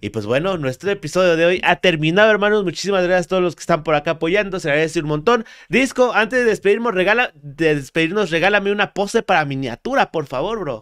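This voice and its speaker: A man speaks very fast in a high voice, with hardly any pauses. His intonation is lively, and the background is quiet. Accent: Mexican. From Mexico. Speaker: podcast host. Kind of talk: casual interview. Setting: home studio with green screen. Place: home room. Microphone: studio mic.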